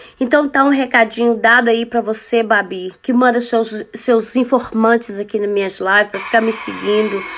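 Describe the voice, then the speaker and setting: Light background noise sits under a woman who talks at a fairly slow pace. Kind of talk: angry livestream message. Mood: indignant, scolding. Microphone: phone near.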